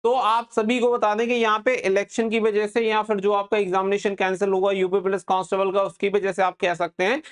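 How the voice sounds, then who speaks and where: A man's voice: sits high, flat delivery, brisk, hardly any pauses, clear, resonant tone. A man giving an informal, advisory exam update as a coaching host, mixing in English words.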